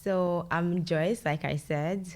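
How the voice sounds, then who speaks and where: A woman's voice: fairly low pitch, steady tone, takes it slowly, darkish tone. A young woman with a Nigerian accent, answering conversationally as an interview guest. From Lagos, Nigeria. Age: young adult. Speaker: interview guest, medical doctor and content creator.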